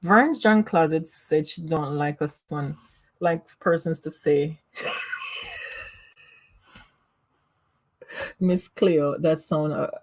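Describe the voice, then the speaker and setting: A woman with a Jamaican accent chats easily with her livestream viewers and laughs often at herself. Her voice sits low, and she takes her time with every phrase. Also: very slow, long pauses. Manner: giggly, laughs often, self-teasing. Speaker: livestream host. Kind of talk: casual livestream chat reading comments.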